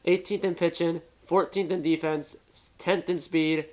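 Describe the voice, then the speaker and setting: A man's voice: on the high side, fairly even intonation, measured pace, highs cut off. A man with a stuffed-up nose from a cold, giving casual, rambling gameplay commentary and often repeating and correcting himself. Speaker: gaming YouTuber.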